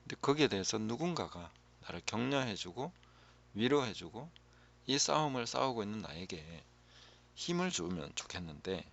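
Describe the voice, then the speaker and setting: A low, gravelly man's voice gives a calm, reflective Bible teaching as a pastor, often sinking to a hushed tone. The recording sounds dull and lo-fi. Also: normal speed.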